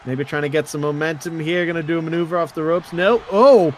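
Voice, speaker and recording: A man doing live wrestling play-by-play commentary in an excitable, dramatic manner. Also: on the high side, fast, slight background noise.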